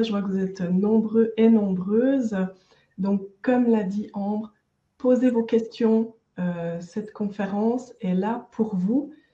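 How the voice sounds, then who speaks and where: Very slow, somewhat breathy speech from a woman, fairly high in pitch, with a dark, mellow tone. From Switzerland. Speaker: energy therapist. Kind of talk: webinar talk. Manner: soft-spoken.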